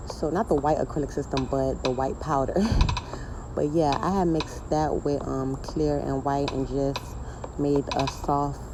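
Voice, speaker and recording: A woman's voice: a bass voice, steady tone, measured pace, noisy background. A woman nail artist chatting casually over her tutorial, rambling and correcting herself, and keeping her voice down. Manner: keeps her voice down for the neighbors.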